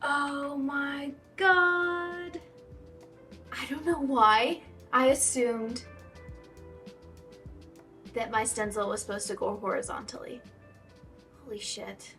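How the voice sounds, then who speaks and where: A woman's voice: high-pitched, steady tone, slow, pauses often, pushed and bright, soft background music. A woman jewelry maker talking to herself as she works in her home workshop, chatty and sometimes dropping to a whisper. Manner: chatty, talks to herself while working, occasional whispers. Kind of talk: casual workshop vlog. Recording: distant camera mic with faint room noise.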